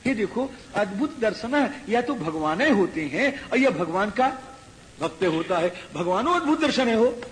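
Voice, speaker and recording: A man with a high voice gives a devotional discourse. He chants verses and explains them, acting out characters. The hall around him echoes, and there is faint background hiss. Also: expressive, measured pace. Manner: chanting Sanskrit verses then explaining in Hindi, voicing characters. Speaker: Ramayana preacher. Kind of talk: devotional discourse with Sanskrit recitation.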